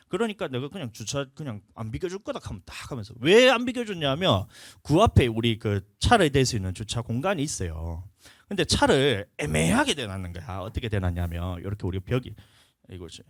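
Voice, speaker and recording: A male pastor, telling a personal story in a lively, animated sermon. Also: mid-range voice, no room sound, studio quality. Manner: animated storytelling, acts out a quarrel. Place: church.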